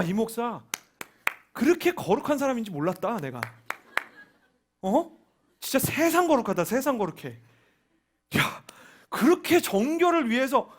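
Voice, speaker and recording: Preacher doing a sarcastic scolding Lord, high and loud. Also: male voice, exaggerated voice. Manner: mocking, sarcastic, then rebuking.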